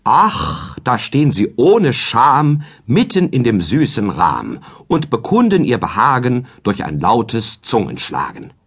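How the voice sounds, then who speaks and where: A man's voice: takes it slowly, few pauses, slightly rough. A man narrating a comic verse story as an audiobook, reciting in a rhythmic, sing-song way. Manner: lively, sing-song rhythmic recitation with wide pitch swings.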